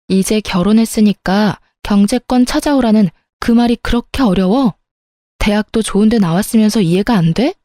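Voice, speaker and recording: A woman's voice: medium pitch, warm tone, dry recording, studio quality, natural voice. A woman voicing a defensive young husband. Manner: defensive, indignant.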